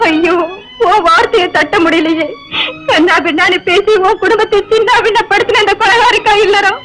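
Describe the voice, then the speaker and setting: A woman's voice: very high voice, fairly even intonation, normal speed, rough recording. A weeping remorseful woman. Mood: tearful remorse. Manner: tearful, lamenting speech. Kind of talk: 1980s film acting. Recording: film soundtrack with clear music.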